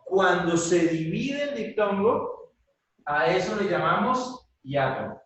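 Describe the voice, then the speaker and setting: A man's voice: high voice, very animated, slow, lo-fi sound. A male teacher giving a classroom grammar lesson, patiently checking in with his students after each point. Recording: very echoey room, voice from far off.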